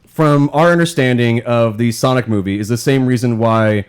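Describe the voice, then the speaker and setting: A man's voice: mid-range voice, moderate pace, smooth. A man chatting casually and bluntly as a podcast panelist, swearing freely and giving strong opinions. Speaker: panelist on a video game podcast.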